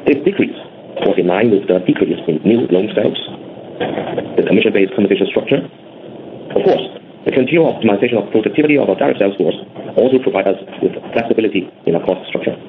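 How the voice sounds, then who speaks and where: A man's voice: fairly low pitch, lively intonation, fast talker. A man reading out a scripted financial presentation as a company executive over a phone line. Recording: narrow phone line with faint noise.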